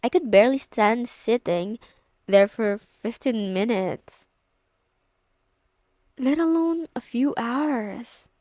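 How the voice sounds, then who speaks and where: Casting: actress as a friend's bossy older sister, young, teasing and coy, unhurried delivery, close dry sound for ASMR roleplay. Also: female voice, on the high side, a little mellow, no room sound. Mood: weary, grumbling. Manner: casual, teasing, coy, lightly exasperated. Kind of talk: intimate ASMR audio roleplay.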